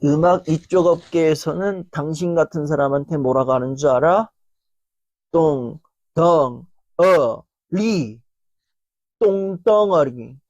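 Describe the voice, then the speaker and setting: A woman's voice: mid-range voice, expressive, fast talker, no echo, dull audio. Woman acting out scornful male conductor, cold cutting insults, dry sound.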